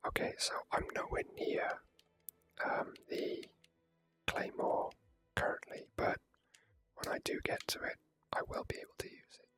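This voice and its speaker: Casting: whispering ASMR game streamer, close-miked, rambling and confiding, sharp bright hiss to the voice. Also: unhurried, pauses often, soft background music. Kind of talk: whispered ASMR gameplay commentary.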